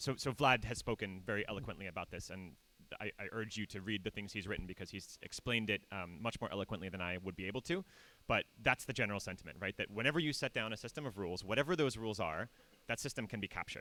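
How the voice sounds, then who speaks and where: With a bright, sharp tone and ordinary pitch variation, the speech runs at a very fast pace in a dry, close sound with no echo. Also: man, fairly low pitch for a man. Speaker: discussion leader on blockchain governance. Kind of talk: open panel discussion. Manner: halting, many fillers.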